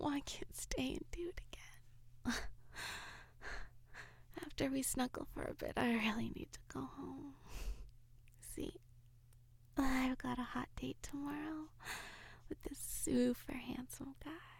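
A young adult woman with a high, light voice leans into an intimate audio roleplay. She speaks slowly, often dropping into a soft, breathy whisper. Her tone is playful and teasing, with frequent giggles. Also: steady tone, no echo.

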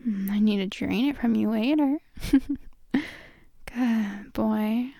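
A woman performing intimate adult roleplay as a dominant, affectionate lover, murmuring drawn-out praise and sometimes slipping toward a whisper. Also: on the high side, vocal fry, dark tone, no echo, studio quality. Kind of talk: intimate erotic audio roleplay addressed to the listener.

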